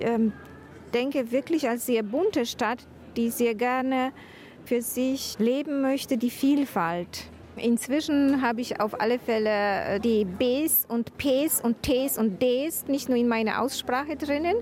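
A woman with a Polish accent softened by Franconian sounds, answering an interviewer. She speaks slowly and a little above the usual pitch, pausing to search for words. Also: slight background noise. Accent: Polish with a Franconian touch. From Poland.

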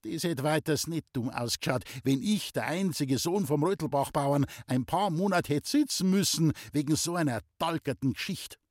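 A man's voice: on the high side, expressive, normal speed, few pauses, darkish tone, dry recording, clean studio sound, voice pushed up. A man reading a novel aloud and voicing a boastful young village man in Bavarian dialect.

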